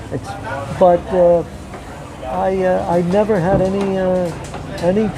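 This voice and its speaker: There is noticeable background noise. A man with an American accent and a high pitch talks at a very slow pace. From United States. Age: 80s+. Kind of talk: interview answer. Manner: hesitant, many fillers.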